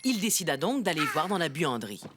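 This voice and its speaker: A woman playing a kindly storyteller, narrating a children's cartoon in a gentle, expressive way. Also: deep voice, brisk, slightly rough, heavily acted. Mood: storytelling. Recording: music behind the voice.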